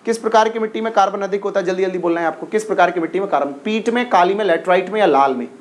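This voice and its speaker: A male teacher giving an exam-prep lesson, repeating himself and coaxing his students to answer quickly. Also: high voice. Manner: repetitive, coaxing, drills questions and urges quick answers.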